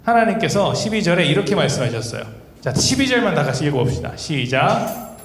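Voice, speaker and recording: A man's voice: a little high, very animated, a little fast, soft background music. A man giving a children's sermon in a church, storytelling and asking the kids questions. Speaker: children's pastor. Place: church hall. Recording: echoey hall, faint noise.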